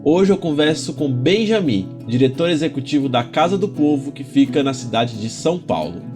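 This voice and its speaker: A man's voice: mid-range voice, animated, normal speed, music in the background. A man hosting a podcast, introducing his guest and asking questions in a friendly, upbeat way. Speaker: podcast host. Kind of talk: podcast interview.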